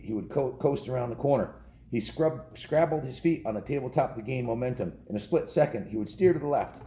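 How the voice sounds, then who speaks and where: A man's voice: mid-range voice, dark tone. A man in his fifties with an American accent reads aloud to children, storytelling in a folksy, informal way with casual asides and small self-corrections. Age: 50s. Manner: folksy, informal, often repeats and corrects himself. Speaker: storyteller reading a children's book to kids. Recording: roomy echo with faint background noise.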